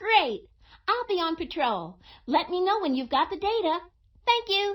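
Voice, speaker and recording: This is a put-on character voice, squeaky in sound. It moves at a moderate pace with lively intonation. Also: woman, extremely high pitch for a woman. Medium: cartoon. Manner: brisk, businesslike.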